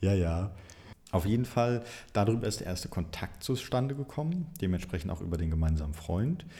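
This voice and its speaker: A man's fairly low, dark, mellow, somewhat breathy voice at a fairly quick pace, with very wide pitch swings. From western Germany, Bonn area. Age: 20s. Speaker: podcast co-host. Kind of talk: casual chat.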